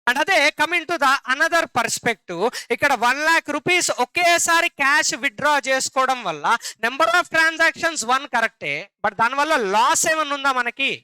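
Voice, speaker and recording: A man's voice: very high-pitched, moderate pace, bright, forceful tone, no echo, poor audio. A man with a Telugu accent teaching a classroom lecture, often repeating questions and calling on his students for answers.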